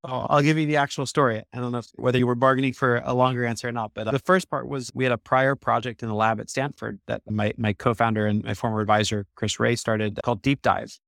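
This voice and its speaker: A man in his thirties, a startup co-founder, answering interview questions quickly and animatedly, with many restarts. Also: medium pitch, level tone, vocal fry, fairly bright tone, dry recording, clean studio sound. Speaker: startup co-founder, podcast guest.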